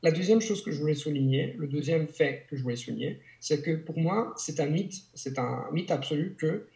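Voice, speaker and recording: This Italian-born man, a native Italian speaker, teaches language and speaks French in a conversational interview, hesitating often with restarts and fillers. His voice sits on the high side, creaky and somewhat dark, at a normal speed. The recording carries a roomy echo.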